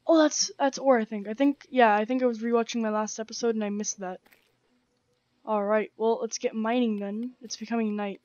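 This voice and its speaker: A young woman with a croaky, sore throat, rambling casually as she plays and comments on a game, full of slang and fillers. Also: mid-range voice, darkish tone, no room sound, lo-fi sound. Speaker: gaming channel host. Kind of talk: casual let's-play commentary. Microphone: gaming headset.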